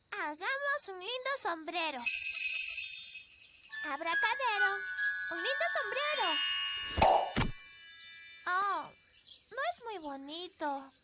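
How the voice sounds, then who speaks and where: Very high-pitched little fairy princess. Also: female voice, full character voice. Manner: childlike, expressive. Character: sweet, eager little fairy princess girl. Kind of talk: children's cartoon dub in Spanish. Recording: music behind the voice.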